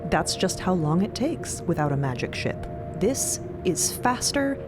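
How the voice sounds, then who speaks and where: Woman narrator, lower voice, scripted fantasy story, music behind. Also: very animated, a little slow. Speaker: podcast co-narrator.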